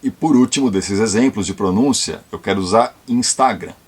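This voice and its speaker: Husky São Paulo man giving tips. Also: lowish voice. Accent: Brazilian Portuguese, São Paulo. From São Paulo, Brazil. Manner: slow, deliberate when modeling pronunciation. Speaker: YouTube channel presenter. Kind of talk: casual tutorial on learning English.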